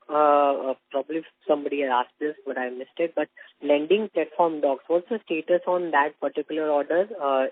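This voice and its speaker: A man with an Indian accent asking questions as a financial analyst, polite and businesslike. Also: fairly high pitch. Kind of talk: earnings call questions. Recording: narrow phone line.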